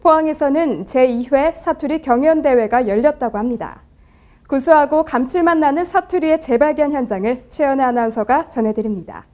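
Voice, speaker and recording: Mellow high-voiced woman anchor. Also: brisk. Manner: polished, formal. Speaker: news anchor. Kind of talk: news anchor introductions.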